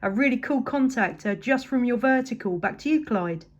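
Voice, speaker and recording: A woman's voice: on the high side, lively intonation, moderate pace, dull audio. An English woman chatting casually as a CB radio operator, upbeat and appreciative in manner. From England. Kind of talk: casual radio contact chat.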